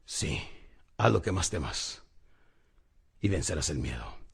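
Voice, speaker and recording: A male motivational speaker teaching public speaking, alternating loud excited bursts with low, slow, weighty passages, calling the listener "champ". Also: gravelly, slightly rough. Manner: calls the listener "campeón", laughs at own jokes.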